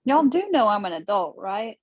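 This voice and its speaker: A woman's voice: mid-range voice, sing-song, moderate pace, no echo, muffled recording. A woman reading the part of a defiant, headstrong young wife in a drama, with an assertive, dry manner. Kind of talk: screenplay table read.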